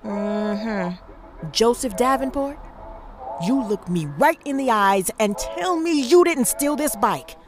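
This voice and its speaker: No-nonsense scolding mother, high pitch, lively swings, period audio drama. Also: slow, a crowd in the background. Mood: stern, suspicious. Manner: scolding, interrogating. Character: stern, suspicious, no-nonsense working-class mother.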